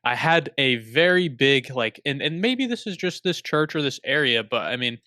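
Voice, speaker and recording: Bright, crisp-voiced young man. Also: medium pitch, lively intonation, normal speed, dry recording, clean studio sound. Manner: self-deprecating, restarts often. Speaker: podcast co-host. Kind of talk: casual chat.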